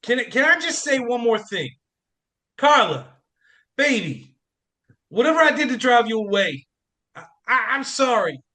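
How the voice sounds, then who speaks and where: Guy doing a volatile dumped loser for a radio play, really high strained voice, stammers, feels sorry for himself. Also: big pitch swings, unhurried, pauses often, bright, forceful tone, exaggerated voice. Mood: apologetic. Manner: agitated, stammering, self-pitying. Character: volatile, desperate jilted man, ex-chorus performer turned hostage-taker. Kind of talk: comic radio play acting.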